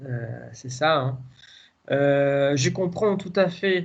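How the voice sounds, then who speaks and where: A man speaks at a very slow pace in a somewhat breathy voice. Room echo is audible. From Brazil. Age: 30s. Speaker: university lecturer. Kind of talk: lecture. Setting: video call. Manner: halting.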